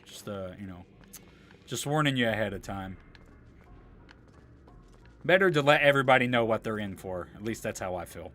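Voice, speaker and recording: A man's voice: on the low side, lively intonation, normal speed, long pauses, a bit bright, soft background music. A man live streaming a video game, giving casual, slangy commentary and chatting with viewers, with some swearing. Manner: slangy, profane, informal.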